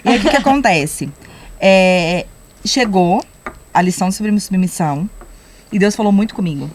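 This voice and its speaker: A young adult woman telling a personal faith testimony on a podcast, lively and acting out the lines she quotes. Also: mid-range voice, moderate pace, slight background noise. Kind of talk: casual testimony storytelling.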